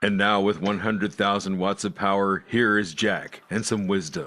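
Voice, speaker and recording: A man puts on a character voice at a fairly low pitch and a moderate pace. The recording is very clean, with a silent background. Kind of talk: big announcer voice.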